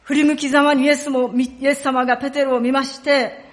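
A woman pastor delivers a sermon in a fairly high voice. She tells the story with expressive emphasis and lowers her voice to a hush at solemn moments. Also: fairly quick. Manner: storytelling, acts out quoted lines and dialects; drops to a hushed tone for solemn passages.

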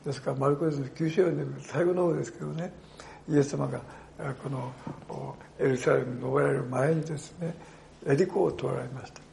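A male pastor delivering a sermon in a storytelling manner, swinging from hushed tones to loud emphasis. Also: medium pitch, steady tone, brisk, creaky, slight background noise.

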